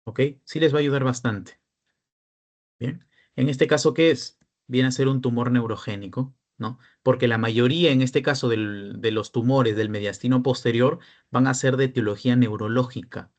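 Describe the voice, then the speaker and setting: A man's voice: medium pitch, fairly even intonation, normal speed. A young man with a Peruvian Spanish accent, a peer tutor giving an online class lecture, explaining step by step and often checking in with the students.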